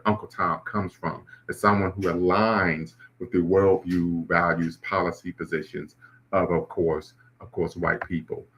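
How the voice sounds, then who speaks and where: A man's voice: low voice, sharp tone, a little hiss or hum, poor audio. A man hosting a live stream, reacting to clips and chat comments in a conversational way. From Ohio, US. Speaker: host.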